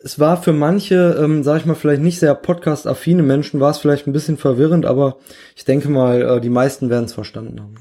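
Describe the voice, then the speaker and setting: A podcast co-host talks in a rambling, hesitant way, constantly tagging his sentences with "ne?" and "sag ich mal." His voice is a little high and mellow, with a steady tone and a slightly fast pace. The show is a casual one.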